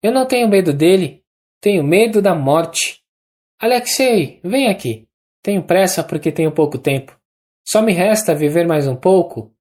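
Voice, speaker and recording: A narrator with a Brazilian accent voicing a young woman, feverish and delirious after childbirth, talking in a rapid, urgent, raised pleading voice. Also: medium pitch, expressive, darkish tone, pitched above the performer's own voice, close to an everyday voice. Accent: Brazilian Portuguese.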